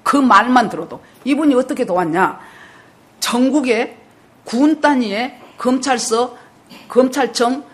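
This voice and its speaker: A woman's voice: fairly high pitch, unhurried. A woman pastor in her sixties with a Jeolla dialect, telling a story in a sermon and putting questions to her congregation. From South Jeolla, Korea. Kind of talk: sermon with personal testimony.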